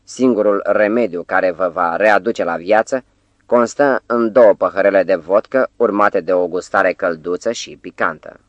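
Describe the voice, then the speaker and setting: A man narrating an audiobook voices a mysterious foreign stranger dressed in black, speaking slowly in a heavy voice with a faint foreign lilt. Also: deep voice, dry recording, muffled recording, close to an everyday voice. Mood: smugly courteous.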